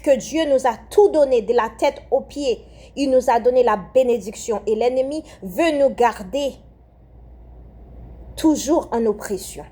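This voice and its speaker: A woman's voice: a little high, mellow, slightly rough. A young Haitian-born woman with a French accent giving a fervent spoken prayer message, repeating phrases and often restarting her sentences. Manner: fervent, repetitive, with hesitations and restarts. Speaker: Christian speaker.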